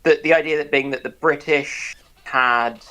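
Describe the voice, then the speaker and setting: A man in a casual panel chat, explaining things haltingly and circling back over his phrases. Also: on the high side, steady tone, pushed and bright, clear, resonant tone. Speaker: discussion panellist.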